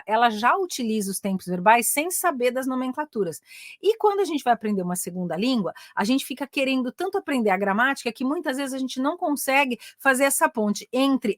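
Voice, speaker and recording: A woman's voice: a little high, fairly bright tone, no room sound, studio quality. A middle-aged Brazilian woman with a Brazilian Portuguese accent, an English teacher and career mentor giving a casual online lesson, often tagging her sentences with "né?" and pressing her points eagerly. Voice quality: chatty, frequent "né?" tags.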